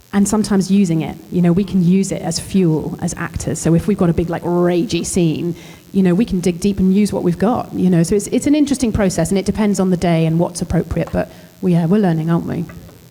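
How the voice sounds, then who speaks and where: A woman's fairly low voice at a very fast pace, with ordinary pitch variation and noticeable background noise. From Wales. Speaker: voice actor. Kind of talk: convention panel talk.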